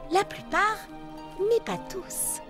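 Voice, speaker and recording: A woman voicing a patient, playful storyteller in a children's cartoon, narrating in an expressive, teasing way. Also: extremely high pitch, slow, over music, heavily acted. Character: patient, playful female storyteller reading her own book.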